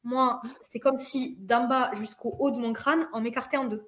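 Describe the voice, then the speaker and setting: Young woman with a higher voice, telling a story. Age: 20s. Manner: vivid, expressive retelling with quick asides. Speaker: podcast guest. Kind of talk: casual conversational storytelling.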